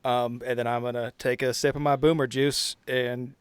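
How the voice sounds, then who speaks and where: A man playing a tabletop game, casually and haltingly describing what his character does as he thinks aloud. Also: mid-range voice, level tone, clean tone, no room sound. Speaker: player in a tabletop game podcast.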